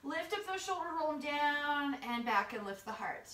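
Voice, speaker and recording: A woman whose voice sits high, animated and a bit bright, speaks at normal speed as she instructs a yoga class. She keeps her step-by-step guidance playful, informal and encouraging, and the audio comes from a distant camera across her living room, sounding roomy.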